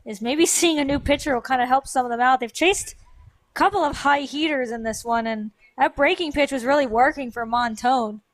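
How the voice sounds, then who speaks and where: A woman's voice: sits high, normal speed, no echo. A woman giving conversational analysis as a co-commentator on a live baseball game. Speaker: sports co-commentator.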